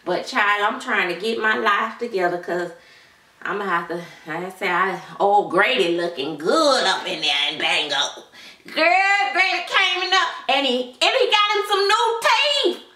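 A woman plays a gossipy auntie watching the babies, rambling on and sprinkling child and honey into every line. Her voice is bright and forceful, caught from a distance in a roomy, echoing space. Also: medium pitch, animated, moderate pace. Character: gossipy middle-aged Southern auntie babysitter, sassy. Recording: roomy room, mic at a distance.

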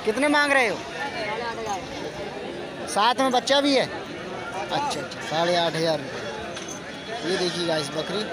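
A man, vlogging at an outdoor livestock market and quizzing sellers on their prices in a brisk, chatty way. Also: sits high, animated. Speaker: vlogger interviewing goat sellers. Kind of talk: casual on-the-spot questioning and commentary. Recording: loud market crowd behind.

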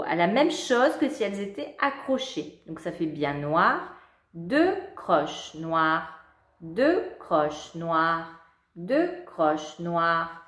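Slow, patient woman teaching music to kids. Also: mid-range voice, a bit bright, echoey room. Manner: patient, slow explaining, counting and singing note names. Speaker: music theory teacher for children. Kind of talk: online music lesson for kids.

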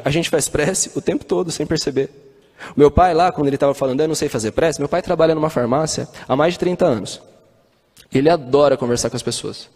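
A man's voice: on the high side, darkish tone. A man with a Brazilian accent giving a spiritist talk, telling stories and asking the audience rhetorical questions. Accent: Brazilian Portuguese. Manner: storytelling, acts out quoted voices, rhetorical questions. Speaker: spiritist lecturer. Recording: long hall reverb.

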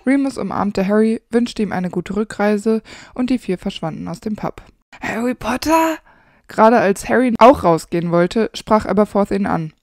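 A podcast co-host in a mid-range voice reads fan fiction aloud and slips into soft whispers for the dialogue. The recording is dry and close-miked. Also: female voice, mid-range voice, normal speed, no room sound.

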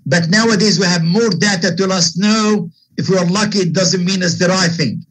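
An older man with an Arab American accent and a husky voice, answering webinar questions as a guest lecturer in an emphatic, opinionated manner. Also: high-pitched, fairly quick, a bit bright, a little hiss or hum, low-quality recording. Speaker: guest lecturer, vascular surgeon.

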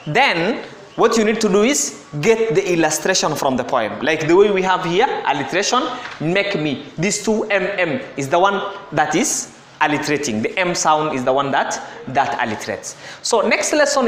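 A man's voice: high voice, fairly bright tone. A man teaching an exam-prep lesson, explaining step by step and often repeating and correcting himself. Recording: echoey room.

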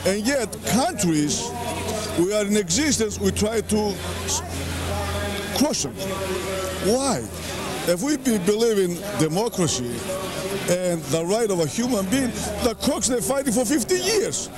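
An older Greek-American man at an outdoor street rally, speaking with passion into a handheld mic in halting phrasing. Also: high voice, very animated, music in the background. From Greek-American, parents from Pontus. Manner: impassioned, halting non-native phrasing. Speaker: interviewee at a rally. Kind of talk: street interview. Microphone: handheld mic held close. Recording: outdoor rally with crowd noise behind.

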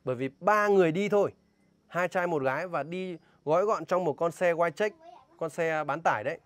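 Vlogging outdoors with no room sound, a man with a northern Vietnamese accent and a somewhat high voice talks a little fast. He questions a local in casual vlog style, indignant and emphatic as he warns about a scam.

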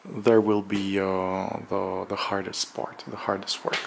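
A man narrates a casual vlog in a low voice with a lot of fry. He speaks very slowly and hesitantly, pausing often. He is recorded indoors on a handheld camera, with some background noise. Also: little pitch movement. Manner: halting, hesitant delivery with drawn-out pauses. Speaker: vlogger. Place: bare room under renovation, indoors, windows open.

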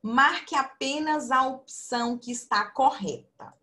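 A woman teaching young children in an online class over a video call, speaking slowly in a sing-song, patient teacher voice. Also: high voice, sharp tone, slight background noise. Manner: slow, sing-song teacher talk to children, calls herself auntie. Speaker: primary school teacher. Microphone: computer mic on video call.

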